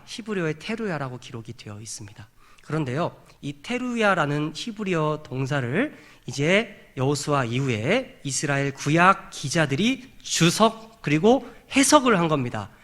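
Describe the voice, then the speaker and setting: Middle-aged male pastor, high voice with wide swings, animated sermon in a church. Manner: animated preaching that builds to raised emphatic peaks; acts out trumpet blasts and shouts. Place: church sanctuary.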